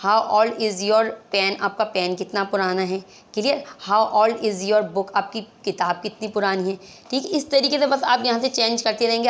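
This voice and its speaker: A woman with a South Asian accent and native Hindi-Urdu, teaching English in an instructive, repetitive way with frequent check-ins. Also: medium pitch. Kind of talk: spoken lesson explaining English questions in Hindi-Urdu.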